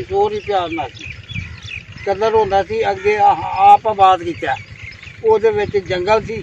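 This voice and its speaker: A man's voice with big swings in loudness over noticeable background noise. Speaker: village elder. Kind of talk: interview answer.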